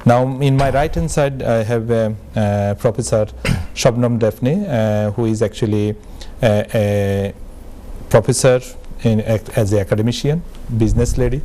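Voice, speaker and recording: A man hosting a studio talk show in English with a Bangladeshi accent, speaking haltingly with many fillers and restarts. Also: lowish voice, mellow. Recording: faint background noise.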